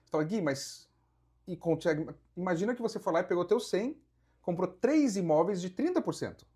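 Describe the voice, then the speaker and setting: In this casual podcast chat, a Brazilian guest with a Brazilian Portuguese accent walks through real estate investing, tallying up numbers and throwing in rhetorical questions. His pitch sits high and swings widely, his pace is quick, and his tone is dark with a slight roughness.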